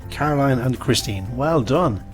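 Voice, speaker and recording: A man with an animated, mid-pitched voice, bantering casually as co-host of a bingo game. Music is clearly audible behind him. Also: moderate pace.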